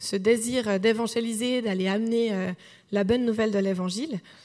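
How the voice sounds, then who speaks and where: A woman's normal speaking voice, fairly high in pitch, with ordinary pitch variation and a moderate pace on a very clean recording with a silent background. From French-speaking Switzerland, Morges (Vaud). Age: 40s. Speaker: mayor and churchgoer giving a talk. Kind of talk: church talk.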